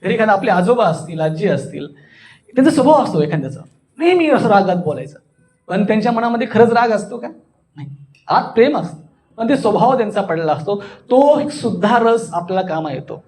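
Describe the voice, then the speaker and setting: High-voiced, theatrical male Marathi teacher. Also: big pitch swings, brisk, darkish tone. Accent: Marathi, Maharashtra. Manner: theatrical, questioning the listeners. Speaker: voice and public speaking workshop instructor. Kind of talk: animated classroom teaching with acted demonstrations.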